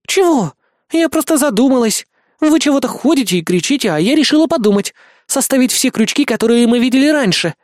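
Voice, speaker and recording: A narrator voicing an excitable, eccentric young woman who chatters eagerly in a high voice. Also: brisk, no echo, studio quality. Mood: indignant.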